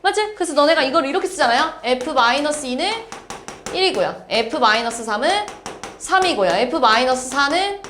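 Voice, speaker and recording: A woman math teacher lectures a class in a lively way and keeps checking that her students follow. Her voice sits high and swings up and down a lot. The sound is roomy, with faint noise in the background. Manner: lively, checks understanding with quick questions. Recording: echoey classroom.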